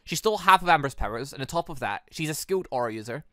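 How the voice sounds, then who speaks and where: A British man gives rambling, casual commentary on a visual novel playthrough. His voice is bright and forward, with pitch that swings around in an animated way. The sound is close and dry. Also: fast talker, no room sound. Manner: rambling, musing aloud. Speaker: gaming video host.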